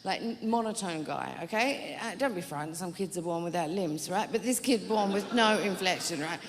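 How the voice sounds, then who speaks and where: A woman's voice: on the low side, moderate pace. Rambling self-mocking woman comic, reverberant hall. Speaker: stand-up comedian. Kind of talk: stand-up comedy set. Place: comedy venue stage. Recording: live stage with long hall reverb. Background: faint audience laughter.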